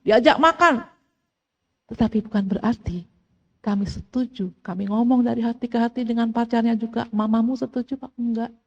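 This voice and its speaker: A woman's voice: a little high, moderate pace, muffled recording. Middle-aged woman preaching in an echoey hall. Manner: animated storytelling, acts out family dialogue. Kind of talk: sermon. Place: church hall.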